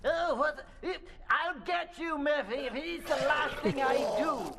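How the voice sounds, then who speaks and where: A man's voice: very high-pitched, unhurried, vocal fry, exaggerated voice. An actor voicing a furious, shrieking man vowing revenge in a detective game. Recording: distant, very noisy, clicking.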